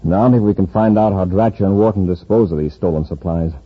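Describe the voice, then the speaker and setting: A man playing a calm, steady space commander who gives firm orders in a 1950s radio drama. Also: deep voice, brisk, husky. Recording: dull old radio broadcast with faint hiss.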